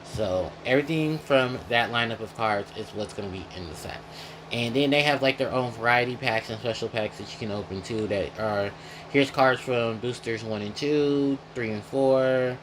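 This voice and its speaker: A man's voice: medium pitch, moderate pace, background noise. Rambling man hosting a game retrospective. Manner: rambling, self-correcting, chewing while talking. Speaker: gaming video host. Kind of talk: casual retrospective commentary.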